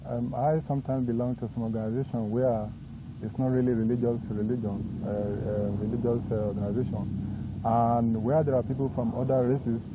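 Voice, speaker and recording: A man from Nigeria with a Nigerian accent, Isoko his first language, speaking as a guest in earnest, halting conversation. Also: medium pitch, fairly even intonation. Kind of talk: casual conversation. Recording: 1980s cable TV studio tape, faint noise.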